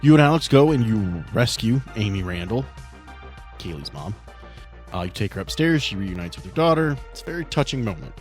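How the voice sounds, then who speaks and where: A man's voice: on the low side, big pitch swings, a little fast, faint music behind. A man casually narrating and refereeing a tabletop game as game master.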